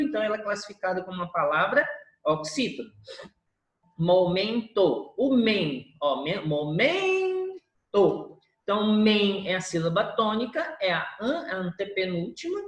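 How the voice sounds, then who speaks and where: A woman teacher giving a review lesson, drawing out syllables to show word stress. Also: mid-range voice. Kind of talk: recorded class review lesson. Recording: echoey room.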